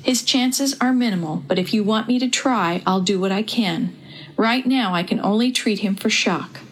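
A woman's voice: mid-range voice, close to an everyday voice. A woman voicing a matter-of-fact male veterinarian who speaks with sympathy. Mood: sympathetic. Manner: brisk, sympathetic.

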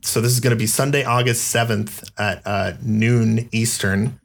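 A man's voice: medium pitch, normal speed, vocal fry. Casual male podcast host. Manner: relaxed, reads news items with fillers. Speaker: podcast host reading community news. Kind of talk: casual chat.

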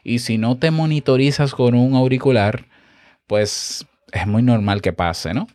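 A man hosting a podcast lesson, explaining with animated energy and often checking in with the listener on a close microphone. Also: mid-range voice, measured pace, no room sound. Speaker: podcast host and instructor. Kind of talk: instructional podcast talk. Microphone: close studio microphone with compressor.

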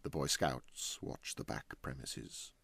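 A man voicing a calm, offhand young man who talks of dreadful things in a careless, deadpan way. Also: very deep voice, slow pace, vocal fry, slightly rough, no echo, pitched below the performer's own voice, exaggerated voice.

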